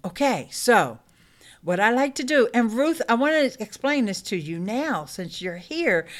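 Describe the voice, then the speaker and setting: A middle-aged woman hosting a casual live stream, chatting upbeat with her viewers and laughing often. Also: fairly low pitch. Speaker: YouTube live stream host. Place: small room indoors.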